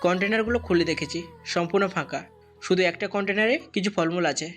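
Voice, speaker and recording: A young gang member rattling off a report in a story audio drama. His voice is pitched high for a man. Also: a bit bright, faint music behind. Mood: urgent. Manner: hurried report.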